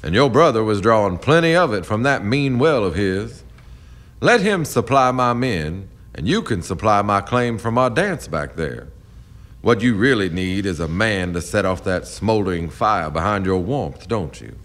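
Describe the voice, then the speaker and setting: A man's voice: lowish voice, a bit bright. Man acting a swaggering riverboat captain, swooping delivery. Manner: smooth-talking, taunting, flowery. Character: swaggering, menacing riverboat captain pressing his advances. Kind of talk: radio drama acting.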